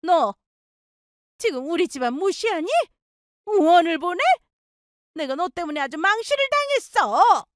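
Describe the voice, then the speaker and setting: A woman's voice: high voice, expressive, fast talker, few pauses, no echo, clean studio sound. A woman voicing a domineering older mother-in-law in a story drama, scolding and demanding. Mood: furious.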